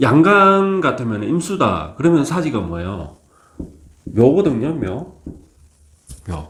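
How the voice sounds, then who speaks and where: Speaking very slowly with long, frequent pauses, a man uses very wide pitch swings and vocal fry. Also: fairly high pitch for a man. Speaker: saju fortune-telling teacher. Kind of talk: lecture. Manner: casual, many fillers.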